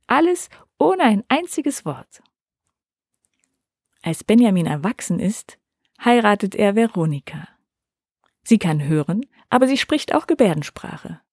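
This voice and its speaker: A woman narrating a story in a gentle, expressive reading voice, lightly voicing the characters. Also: medium pitch, no room sound, clean studio sound. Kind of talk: scripted storytelling for children.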